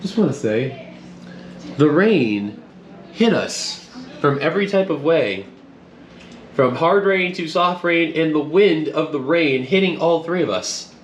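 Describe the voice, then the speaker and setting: Animated man vlogging, fairly high voice. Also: slow, long pauses. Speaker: vlog host. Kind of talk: casual theme park vlog. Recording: roomy sound with clear ambient noise.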